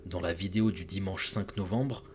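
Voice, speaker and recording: A man's voice: sits low, normal speed, slight background noise. A man narrating a true crime story in a casual, chatty way, talking straight to his viewers with joking asides.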